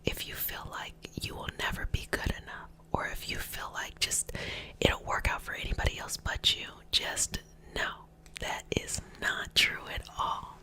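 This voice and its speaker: A woman speaking in a breathy, unvoiced whisper, giving gentle, encouraging ASMR talk as a host and energy healer. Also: measured pace, rough recording.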